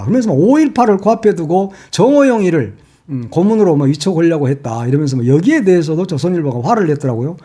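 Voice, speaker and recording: A man hosting a casual political commentary monologue, heated and mocking, swearing freely and swinging between shouting and muttering asides. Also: a little high, breathy edge. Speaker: political commentary channel host.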